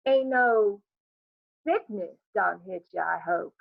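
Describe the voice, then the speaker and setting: A woman voicing a squeaky, effusive neighbor woman who gossips in a folksy dialect and plays up every bit of news with melodrama. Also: lively intonation, takes it slowly, vocal fry, dry recording, full character voice. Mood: gushing. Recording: dry, tinny phone-like sound.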